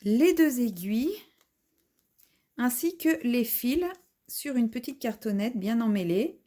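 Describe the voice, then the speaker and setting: Mellow, higher-pitched woman unboxing crafts. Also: animated, slow. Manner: chatty, describing each item as she unpacks it. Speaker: craft vlogger. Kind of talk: casual unboxing vlog.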